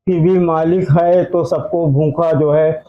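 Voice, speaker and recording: A man's voice: fairly high pitch, steady tone, slow pace, lo-fi sound. A man in his fifties, a guest hoping to become a singer, answering earnestly in long rhetorical lists. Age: 50s. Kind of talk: earnest interview answers, folk song.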